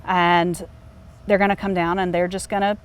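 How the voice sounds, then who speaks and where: A woman's voice: fairly low pitch, little pitch movement, normal speed, smooth. A woman explaining her work as an air traffic controller in an informal, plain-spoken interview.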